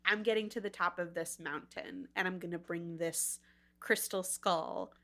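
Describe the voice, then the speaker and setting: A woman's voice: fairly low pitch, fairly even intonation, normal speed, fairly bright tone. A woman hosting a podcast in casual, slangy chat, dropping "like" often. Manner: informal, slangy, peppered with "like". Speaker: podcast host.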